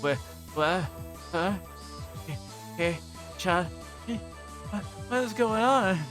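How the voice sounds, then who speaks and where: A man voicing a flustered, bewildered teenage girl from a visual novel, stammering and halting. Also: high-pitched, lively intonation, over music, voice pushed up. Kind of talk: visual novel character read-aloud.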